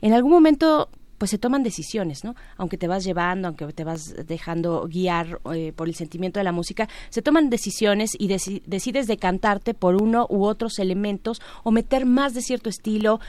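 A woman hosting a conversational interview with musicians, phrasing her questions in a wordy, halting way with frequent tag questions. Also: mid-range voice, expressive, darkish tone. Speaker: interviewer, host of a music show.

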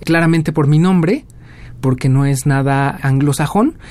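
A Mexican man in his twenties, a young jazz musician answering interview questions in a relaxed storytelling way with many fillers. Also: on the high side, unhurried. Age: 20s. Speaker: guest musician.

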